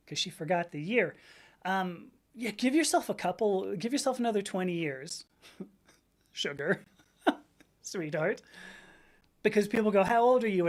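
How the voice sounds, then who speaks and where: A woman in her fifties hosting a livestream, chatting casually in a rambling way, laughing often and reading out viewers' comments. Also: mid-range voice. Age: 50s. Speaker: livestream host.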